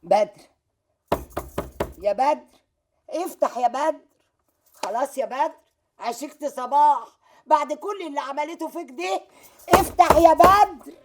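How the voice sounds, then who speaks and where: A woman's voice: high-pitched, brisk, very noisy, natural voice. An actress with an Egyptian accent playing an older, doting mother who pleads with and tenderly coaxes her grown son. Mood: pleading. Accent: Egyptian Arabic. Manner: pleading, then tenderly coaxing. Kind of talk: TV drama acting.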